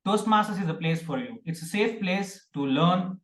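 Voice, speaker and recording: A man with a fairly high voice chairs a club meeting over a video call. He welcomes guests in a friendly way with many small fillers. His sound is echoey, as if in a bare room. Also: expressive, normal speed, fairly bright tone. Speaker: presiding officer of an online speaking club.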